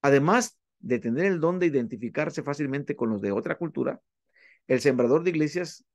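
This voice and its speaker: A man teaching a class, working through his points methodically and listing items one at a time with pauses. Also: a little high, gravelly, darkish tone, no echo. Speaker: instructor. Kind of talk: classroom lecture on church planting.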